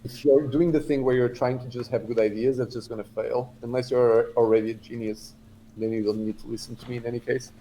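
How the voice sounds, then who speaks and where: A man from Portugal chatting casually as a livestream guest, halting and rambling but blunt in how he talks. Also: mid-range voice, fairly even intonation, dark tone, a little hiss or hum, poor audio.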